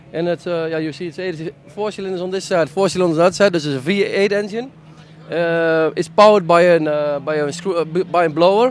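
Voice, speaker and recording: In a Dutch accent, a man with a high pitch speaks at a fairly quick pace with fairly even intonation. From Netherlands. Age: 40s. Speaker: tractor puller. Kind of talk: interview. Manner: halting.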